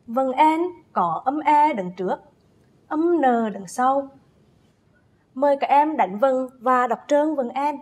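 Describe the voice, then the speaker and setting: A woman teacher giving a first-grade phonics lesson, speaking with slow, careful enunciation and drawn-out spelling drills as she calls young pupils to read along. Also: high-pitched, a little mellow, husky. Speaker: primary school teacher.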